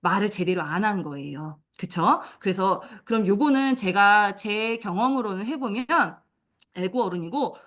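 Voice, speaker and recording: A woman training teachers in a lecture, animated, acting out classroom commands in a high sing-song voice. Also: moderate pace.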